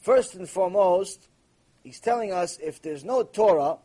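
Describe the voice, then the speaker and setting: A man's voice: high voice, animated, a little slow, dark tone, breathy edge. A man teaching a Torah class, asking questions and answering them himself, with Hebrew terms woven into his English. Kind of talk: lively recorded Torah lecture.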